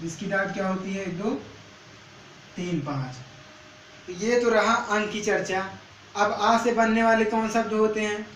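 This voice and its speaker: A male teacher giving a Braille lesson. He asks the pupils each question and then repeats the question and its answer. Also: high-pitched. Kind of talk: classroom lesson. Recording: echoey room, mic at a distance, faint hiss.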